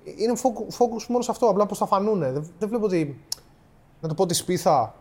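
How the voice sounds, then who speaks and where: A young man in casual podcast chat, teasing the others and reasoning out loud, mixing in English words. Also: sits high, lively intonation.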